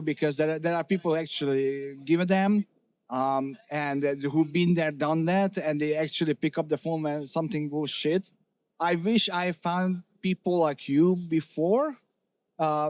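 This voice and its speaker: In a relaxed interview, a Hungarian chief executive in middle age answers openly, stumbling through many fillers and restarts. He has a fairly high pitch and a somewhat mellow tone.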